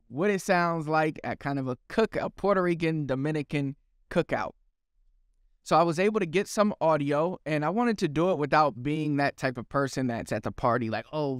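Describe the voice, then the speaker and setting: A man in the middle of the pitch range gives a chatty, explanatory vlog introduction. His voice is smooth and clear. The sound is close and dry, with no room around it. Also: no echo. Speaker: language channel host.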